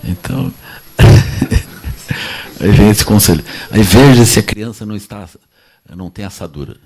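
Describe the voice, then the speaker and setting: A man with a Brazilian Portuguese accent giving a relaxed, joking Buddhist talk to an audience, often repeating little tag phrases. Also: fairly low pitch, measured pace. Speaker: Buddhist teacher. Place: lecture at a meditation center.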